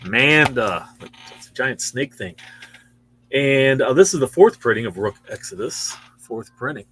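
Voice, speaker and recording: A man's voice: medium pitch, lively intonation, a little slow, a little hiss or hum. A man in his sixties hosting a casual show-and-tell of new comics in a store, chatty and easily impressed. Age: 60s. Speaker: comic shop host.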